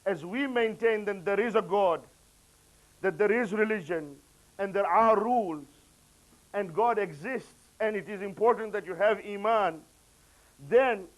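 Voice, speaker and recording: A man delivering a religious lecture, lifting his voice for quoted sayings and dropping it low and quiet for asides. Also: rough recording. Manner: rises in pitch and volume when quoting, drops low for asides. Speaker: preacher.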